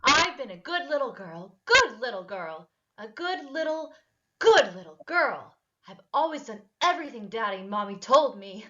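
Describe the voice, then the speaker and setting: A woman's voice: on the high side, very animated, moderate pace, pushed and bright. A woman playing a volatile, wounded, defiant teenage girl in a dramatic table read, over dull lo-fi audio. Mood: hysterical mockery. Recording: dull, lo-fi online call audio.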